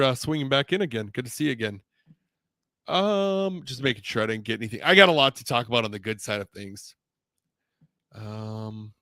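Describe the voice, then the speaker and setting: A man's voice: mid-range voice, a bit bright, no echo. Chatty male sports-stream host, dry close sound. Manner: chatty and rambling, reads viewer names aloud. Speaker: host of a live sports show. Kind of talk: casual live-stream sports chat.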